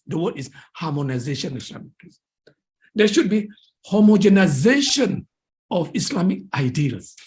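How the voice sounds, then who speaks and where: Man, Malaysian accent, lecturer, emphatic, highly varied pitch, academic explanatory style. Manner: emphatic, repeats key phrases. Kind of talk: academic lecture and question answering.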